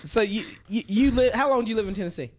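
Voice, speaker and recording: A man's voice: high voice, fast. A man co-hosting a casual podcast, teasing and incredulous in banter. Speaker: podcast co-host. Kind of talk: casual chat.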